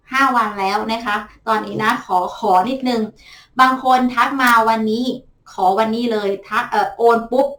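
A woman tarot reader chatting casually and frankly to her viewers as she draws cards, softening her talk with many polite particles. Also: fairly high pitch, recorded from a distance. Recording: echoey room, voice off-mic.

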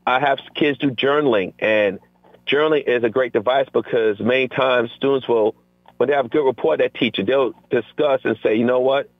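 Middle-aged man, teacher guest, lively talk acting out quotes, tinny phone-line sound, dry. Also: mid-range voice, brisk, dry recording. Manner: energetic, acts out quotes from classroom exchanges. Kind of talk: conversational interview.

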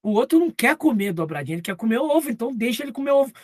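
A man's voice: very high voice, very animated, racing, no echo, clean studio sound. A man preaching at a live Bible study, talking conversationally and acting out little dialogues. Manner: conversational, acts out quoted dialogue.

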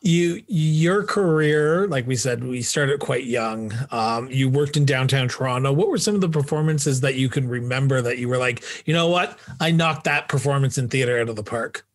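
A man's voice: mid-range voice, moderate pace, hardly any pauses. A man hosting a podcast interview, asking long, supportive questions that circle back on themselves. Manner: supportive, rambling questions with restarts. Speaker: podcast host. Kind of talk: casual interview.

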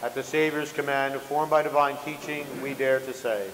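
A man, a Catholic priest, reciting liturgical prayers in a solemn, measured way. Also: mid-range voice, level tone, a bit bright. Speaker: Catholic priest celebrating Mass. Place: large church sanctuary at the altar. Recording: echoey church, long reverb, hiss.

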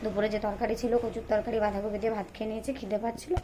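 Chatty fast-talking woman on a noisy phone video. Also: mid-range voice, flat delivery. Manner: chatty, rambling, piles up everyday details. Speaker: vlogger, mother. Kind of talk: casual daily vlog narration. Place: home, later outdoors on a night street. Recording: noisy phone recording with street sounds.

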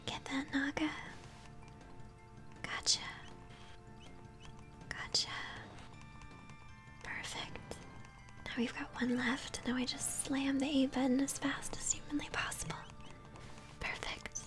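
A young woman whispers gently and breathily into a close mic, commenting on a game she plays in ASMR style. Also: high voice, level tone. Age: young adult. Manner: gentle, unhurried murmuring. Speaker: game streamer. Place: small indoor room at home. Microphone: close microphone. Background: game music.

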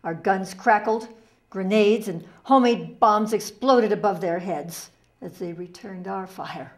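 An older woman playing a reflective, steadfast ghetto fighter, speaking gravely and deliberately in a dramatic reading. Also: mid-range voice, natural voice.

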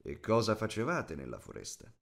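A man voicing a severe, imperious elven king in an audiobook, slow and commanding. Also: lowish voice, huge pitch swings, creaky, a bit bright, heavily acted. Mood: stern, questioning. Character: stern, imperious elven king interrogating a captive.

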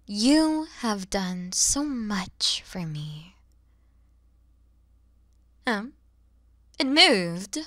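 Woman voicing a bright, expressive motherly dragon lady. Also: mid-range voice, drawn-out words, pauses often, dry recording, studio quality, full character voice. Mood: caring, gentle. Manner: expressive, teasing, gentle, addressing the listener directly. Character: kind motherly dragon woman, mature, playful, easily flustered. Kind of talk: ASMR audio roleplay acting.

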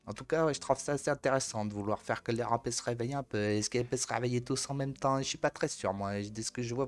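A man reading an article aloud as host, breaking off to joke at the guest. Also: medium pitch.

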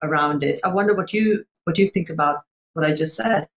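A middle-aged woman from Sri Lanka, a coach speaking on a video call from home, thoughtful and searching for her words with many pauses and fillers. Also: deep voice. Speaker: master coach, panel guest. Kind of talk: reflective panel discussion. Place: room at home.

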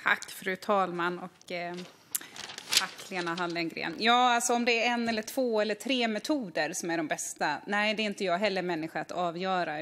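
A middle-aged woman member of parliament making an earnest closing debate speech, posing questions and hesitating now and then, at a podium microphone in a parliament chamber. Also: fairly low pitch.

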